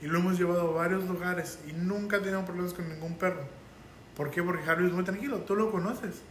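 Speaking quickly in a high voice, this man from Mexico spins lively stories on a laid-back podcast, his Mexican Spanish accent clear. The room sounds echoey, and there's a touch of hiss or hum.

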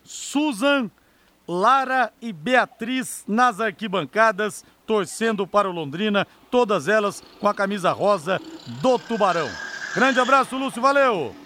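A man's voice: high-pitched, expressive, a little slow, sharp tone, a little hiss or hum. A man with a Brazilian accent hosting live sports talk on the radio, emphatic with conversational asides. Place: radio studio.

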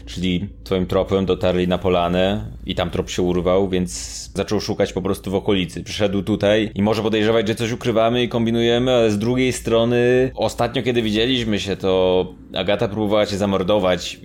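A man's voice: lowish voice, flat delivery, moderate pace, darkish tone, a little hiss or hum. A man playing a tabletop game who talks thoughtfully and reasons things out at length. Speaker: player. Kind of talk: casual chat at a tabletop game.

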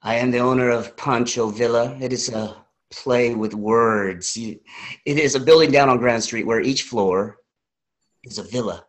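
A man's voice: medium pitch, a little slow, close to an everyday voice. A man plays a playful forty-year-old charmer with a mid-range voice. He answers questions with dry, teasing humor. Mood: boastful. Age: 40s. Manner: wry, teasing, lightly joking. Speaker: interviewee.

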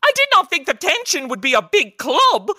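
Indignant Mexican woman, high bright voice, animated pitch, cutting retorts, comic noir radio play. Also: normal speed, full character voice. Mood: upset. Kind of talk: comedic old-time radio drama dialogue.

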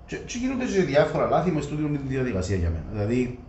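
A man with a Greek Cypriot accent chats informally and makes his points in everyday colloquial speech. His voice sits at a middling pitch. The recording is echoey and a bit muffled, with faint noise. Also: huge pitch swings, a little mellow. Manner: colloquial, acts out imagined customer dialogue. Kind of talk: animated casual discussion.

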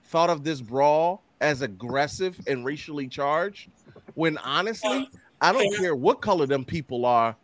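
A man's voice: on the high side, lively intonation, measured pace, no room sound. A man hosting a podcast, introducing guests with loose, profane banter. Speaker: podcast host. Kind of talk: casual podcast chat.

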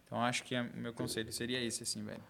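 A man, a videomaker guest, telling animated stories in a casual podcast chat and swearing casually. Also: medium pitch, very fast, gravelly.

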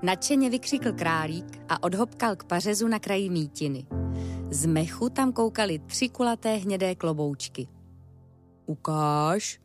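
A woman narrating a children's storybook in a calm, even storytelling manner. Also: mid-range voice, faint music behind.

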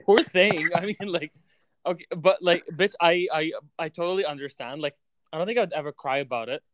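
A young man in a casual chat, reacting quickly and speaking bluntly with plenty of swearing. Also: fairly high pitch, dry recording.

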